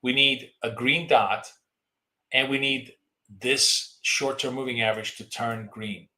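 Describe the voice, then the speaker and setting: Hoarse man talking markets in an echoey room. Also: mid-range voice, steady tone, a little slow, bright, forceful tone. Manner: rambling, casual, answers viewer questions. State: hoarse, losing his voice. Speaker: trading stream host. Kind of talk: live-stream market commentary.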